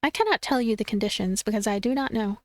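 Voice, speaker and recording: A woman reading a visual novel aloud as a let's play streamer, expressive and playful, with commentary. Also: fairly high pitch, fast talker, no room sound. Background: game music.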